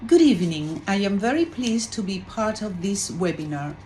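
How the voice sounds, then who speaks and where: A woman from Chile, a webinar panelist, reading a prepared presentation in a measured, formal way. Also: mid-range voice, big pitch swings, dark tone, a little hiss or hum, poor audio.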